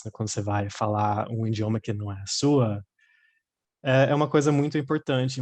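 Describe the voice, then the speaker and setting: A man's voice: medium pitch, darkish tone, no room sound. A man who grew up speaking English, talking reflectively in a casual podcast chat, restarting sentences as he searches for words. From raised outside Brazil, mother Brazilian. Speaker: podcast co-host.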